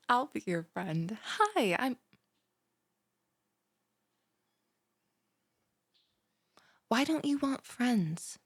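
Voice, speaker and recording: A woman's voice: fairly high pitch, no room sound, full character voice. A young woman playing a bubbly, ditzy, easily offended student who gushes and rambles in a one-sided audio roleplay. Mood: perky, pushy. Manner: gushing, rambling, dramatic gasps and sighs.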